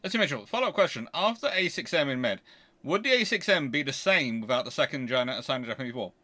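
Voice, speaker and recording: A British man hosting a casual question-and-answer chat, talking in a rambling, halting way and often interrupting himself. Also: medium pitch. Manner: rambling, halting, animated anecdotes with self-interruptions. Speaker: host answering viewer questions.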